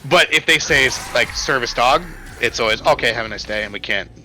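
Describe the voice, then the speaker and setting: Bright, hesitant man explaining. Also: mid-range voice, fairly quick, a little hiss or hum, poor audio. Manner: hesitant, explaining with many fillers. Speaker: grocery store worker. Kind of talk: casual chat while gaming.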